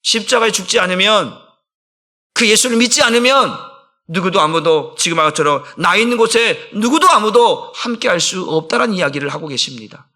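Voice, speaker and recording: A middle-aged man, a senior pastor, preaching a sermon in a church, swinging between loud exclamations and hushed low lines. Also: lively intonation, a little fast. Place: church sanctuary.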